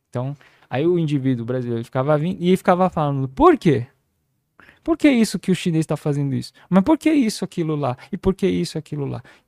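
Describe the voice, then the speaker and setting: In a plain, everyday voice, a man talks fairly quickly at a fairly high pitch with lively intonation, on a very clean recording with a silent background and a dry, close sound with no echo. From born in Taiwan, raised in Brazil from age five. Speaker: Mandarin teacher and Chinese philosophy scholar. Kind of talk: interview conversation.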